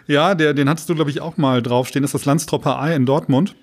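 A man's voice: on the high side, fairly even intonation, fast. A man from the Ruhr area of Germany chatting casually as a podcast co-host, telling jokey anecdotes.

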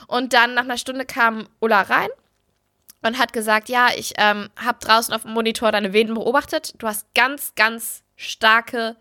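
A woman's voice: on the high side, fairly even intonation, normal speed, bright, forceful tone. A young woman telling her own story in casual chat, candid and blunt, swearing freely. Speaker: podcast host.

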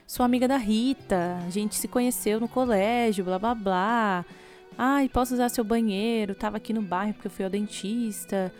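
A woman's voice: medium pitch, normal speed, a little mellow, close to an everyday voice. Scheming seductive mistress, quoted by a woman, chirpy, falsely friendly, faint music behind.

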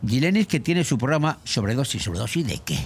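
Lively, jokey radio host. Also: male voice, mid-range voice, fast. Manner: jokey, talkative, teasing questions. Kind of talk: casual radio interview.

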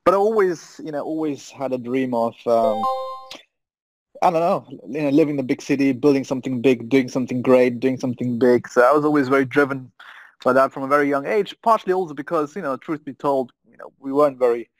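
A German man in his thirties, appearing as a trader guest on a trading podcast, chats in a casual interview with an upbeat, rambling manner and frequent laughter. His voice is medium-pitched and a little fast, and the audio is poor but free of room sound.

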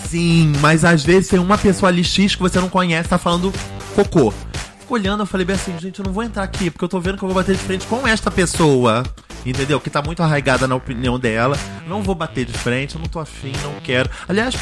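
A man co-hosting a casual podcast chat, telling stories with animated, theatrical asides. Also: a little high, fast talker, music in the background. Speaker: podcast co-host.

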